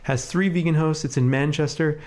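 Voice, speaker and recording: A man co-hosting a podcast in a relaxed, chatty way, sounding congested and sniffly from a cold and leaning on fillers. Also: on the high side, brisk. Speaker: podcast co-host. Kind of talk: casual podcast chat.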